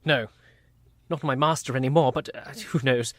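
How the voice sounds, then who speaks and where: A man's voice: medium pitch, fairly even intonation, moderate pace, no room sound, natural voice. An actor playing a guilt-ridden, rambling asylum madman in a community radio play, swinging from mutters to frantic cries. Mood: haunted.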